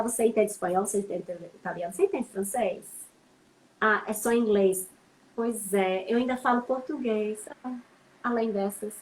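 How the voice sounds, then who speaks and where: This woman's voice is fairly high in pitch. She talks at a moderate pace. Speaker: lawyer. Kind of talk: casual chat. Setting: video call.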